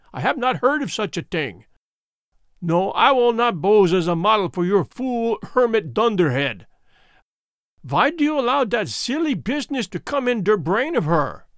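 A man's voice: sits high, a bit bright, no echo, studio quality, heavily acted. A man voicing a fierce little old German painter, blustering in broken English with a German accent, in an audiobook story. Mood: scornful, indignant.

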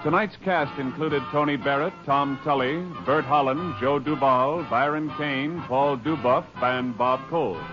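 A man's voice: medium pitch, measured pace, few pauses. A man announcing a radio show in formal 1950s style. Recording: muffled old radio, loud music. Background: loud music.

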